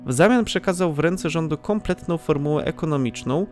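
Slightly high-voiced male storyteller. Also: expressive, fairly quick. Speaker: narrator. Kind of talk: scripted audio drama narration. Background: faint music.

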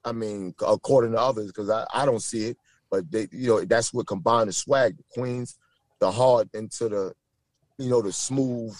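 A man's voice: fairly low pitch, normal speed, dry recording. A man with a Brooklyn New York accent, a podcast guest, talking about his past in a loose, repetitive way with many restarts and fillers. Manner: repeats himself, stacks fillers and restarts, animated. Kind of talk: casual interview storytelling.

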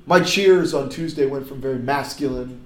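A man whose voice is worn hoarse hosts a casual podcast, excitable and quick to shout. He sits in an echoey room with faint background hiss. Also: mid-range voice. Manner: excitable, bursts into loud whoops. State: hoarse, lost voice. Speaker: podcast host.

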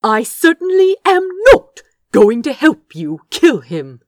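A woman's voice: fairly high pitch, sing-song, slow pace, darkish tone, dry recording, studio quality, pitched above the performer's own voice. A woman voicing an earnest, indignant young prince in an audiobook, speaking firmly with precise, emphatic phrasing. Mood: earnest, defiant. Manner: firm, precise, emphatic speech. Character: young man, earnest, indignant prince defying his brother. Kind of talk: dramatic audiobook character dialogue.

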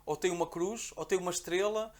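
Portuguese guest, male, rapid-fire animated storyteller with a high voice, acts out quotes. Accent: European Portuguese. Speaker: podcast guest. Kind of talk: casual storytelling.

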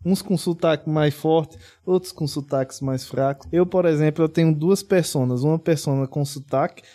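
A man with a Pernambuco accent co-hosting a casual podcast chat, animated and full of restarts. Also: fairly high pitch, moderate pace. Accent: Northeastern Brazilian, Pernambuco. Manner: animated, lots of restarts and impressions. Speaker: podcast co-host.

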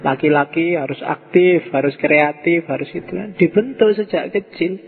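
A man's voice: a little high, normal speed, gravelly. A man giving an informal classroom lecture, chatty and full of rhetorical questions. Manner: conversational, asks rhetorical questions. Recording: tinny, echoey hall.

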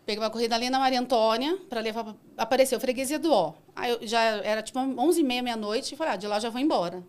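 A woman rideshare driver, telling comic stories from her job in animated, casual chat. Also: a little high, smooth. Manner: animated, quick, acts out dialogue in her stories. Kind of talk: casual comic storytelling on a podcast.

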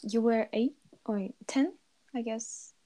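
Mellow-voiced woman interviewer, relaxed prompts. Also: a little high, slow pace. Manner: relaxed, prompting with guesses and soft fillers. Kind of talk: casual conversational interview.

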